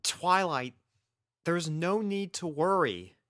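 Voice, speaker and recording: A caring, steady young man acted by a male reader in a fan-made audio drama. The voice is bright and closely recorded, with slow, patient phrasing. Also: on the high side, no room sound, clean studio sound, voice pushed up. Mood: reassuring.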